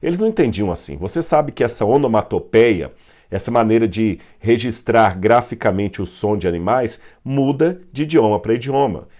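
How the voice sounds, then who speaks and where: A man's voice: on the low side, lively intonation, moderate pace, darkish tone. A man with a Brazilian Portuguese accent teaching a Bible history lesson, explaining step by step with fillers and self-corrections. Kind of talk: explaining at a whiteboard.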